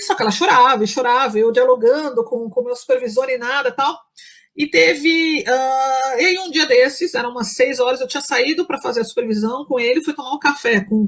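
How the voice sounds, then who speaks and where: A woman's voice: sits high, fairly bright tone. A woman, a psychology professor, telling a story in a casual interview, chatty, full of fillers and restarts, acting out what people said. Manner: chatty, many fillers and restarts, acts out quoted speech.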